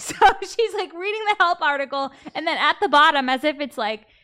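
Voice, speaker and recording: A raised, projected voice with a bright, sharp tone and very wide pitch swings comes through on a very clean recording with a silent background. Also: woman. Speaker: podcast host. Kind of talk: casual chat.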